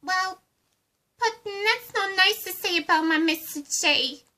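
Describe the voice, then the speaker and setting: A woman playing a giddy, childlike clown villainess with a high, girlish voice and cutesy, singsong delivery in an amateur roleplay. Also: unhurried, pushed and bright, exaggerated voice. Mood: teasing, coaxing. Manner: cutesy, singsong, pet-name-dropping.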